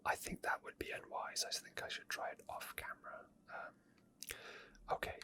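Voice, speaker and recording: In a hushed, breathy whisper, a gaming ASMR creator talks through gameplay unscripted, unhurried and reflective, voicing thoughts as they come.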